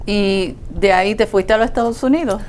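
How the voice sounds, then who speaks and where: A woman's voice: medium pitch, moderate pace, darkish tone, slight background noise. A Puerto Rican woman with a Puerto Rican accent, hosting a community TV interview in a chatty way and dropping in English fillers. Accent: Puerto Rican Spanish. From Puerto Rico. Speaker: TV show host.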